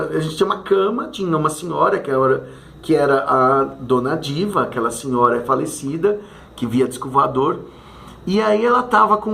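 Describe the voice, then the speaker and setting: A man's voice: a little high, creaky, fairly bright tone. A man casually recounting his own experiences, chatty and full of tag questions. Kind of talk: casual autobiographical monologue.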